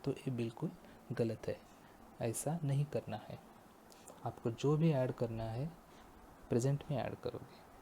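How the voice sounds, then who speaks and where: A male teacher who talks in a mellow, unhurried voice and walks his students through a maths problem one step at a time. He keeps checking that they follow before moving on, and a faint hum of the room sits under his voice. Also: mid-range voice. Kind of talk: math lecture.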